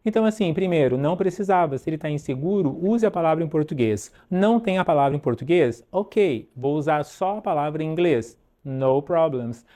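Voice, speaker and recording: Chatty Brazilian man teaching, mellow tone. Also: fairly high pitch, expressive, brisk, hardly any pauses. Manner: chatty, rambling with many fillers and asides. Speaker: English teacher. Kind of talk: casual online lesson.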